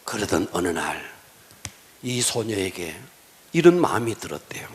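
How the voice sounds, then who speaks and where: A middle-aged male pastor telling a story in a sermon, dropping to hushed whispers and then rising to emphatic lines. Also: sits low, very animated, unhurried. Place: church sanctuary.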